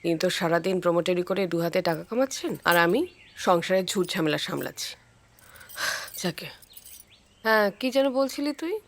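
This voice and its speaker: A woman's voice: lowish voice, animated, moderate pace, pauses often. An actress playing a well-off elder sister who orders her maid about and complains. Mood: bossy. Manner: bossy, chatty. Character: bossy, complaining well-off housewife.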